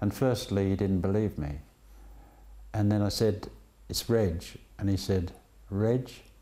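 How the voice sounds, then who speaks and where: Speaking fairly slowly with long, frequent pauses, a man uses a fairly low pitch, ordinary pitch variation and a dark, mellow tone. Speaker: former athlete, friend of guest. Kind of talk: interview. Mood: warm, storytelling. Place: home room. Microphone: lapel.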